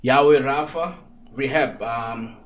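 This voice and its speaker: A South African man hosting a casual podcast interview, relaxed and chiming in with short encouragements. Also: medium pitch, slow pace. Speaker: podcast host.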